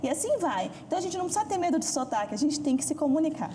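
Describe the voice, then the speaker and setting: A Brazilian woman from Minas Gerais with a mixed Brazilian accent, a language expert guest explaining things in measured, deliberate phrases on a studio talk show. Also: high voice, very animated, noisy background. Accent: mixed Brazilian Portuguese, mineiro base.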